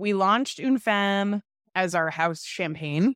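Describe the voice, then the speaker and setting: With an American accent, a plain, everyday voice carries lively intonation on a very clean recording with a silent background. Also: woman, dry, close sound with no echo. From Florida, Orlando. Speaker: wine company founder, entrepreneur. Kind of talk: interview.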